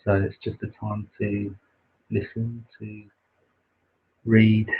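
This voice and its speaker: A soft-spoken man with a naturally quiet voice, hosting a livestream and slowly reading a spiritual text, with many pauses and fillers. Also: lowish voice, completely flat delivery, slight background noise. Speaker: livestream host reading aloud. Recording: dull lo-fi livestream audio.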